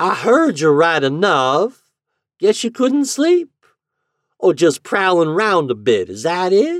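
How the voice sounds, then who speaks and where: A man's put-on character voice, raised and projected, high-pitched and drawling at a fairly slow pace, with very wide pitch swings, on a very clean recording with a silent background. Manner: drawling, suspicious, sly.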